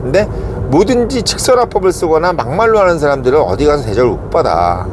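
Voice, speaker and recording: A middle-aged man giving casual political commentary. He talks in short bursts, checks in with his listeners every few lines, and slows down to stress key words. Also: on the high side, sing-song, background noise. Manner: talks in short bursts, keeps asking "응?" and "어?" for agreement.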